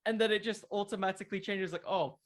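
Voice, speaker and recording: A man's voice: sits high, fairly even intonation, quick pace. A young man talking casually as an interview guest, explaining things earnestly in a rambling way. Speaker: interview guest, wrestling content creator.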